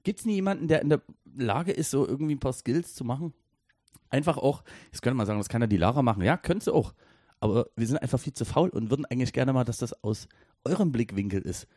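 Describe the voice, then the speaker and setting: A man's voice: medium pitch, lively intonation, fast talker, darkish tone, no echo. A man in his thirties from Dresden chats on a podcast, rambling and hesitant, circling back through fillers and restarts. His voice sits in a middle range, recorded close and dry with no room sound. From Dresden, Germany. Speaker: podcast co-host and editor. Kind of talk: casual podcast chat.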